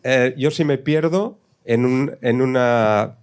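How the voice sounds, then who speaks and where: A man putting questions on a panel, conversational, with halting, repetitive phrasing. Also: medium pitch, smooth. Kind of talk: casual panel discussion. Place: live panel event with several speakers.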